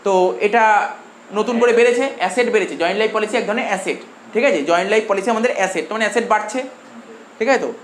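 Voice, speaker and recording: A man's voice: high-pitched, very fast. A man with a Bengali accent teaches a commerce class at breakneck speed, repeating points and firing questions at his students. His voice rings around an echoey room, with a faint hiss of noise behind it. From India. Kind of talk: classroom lecture.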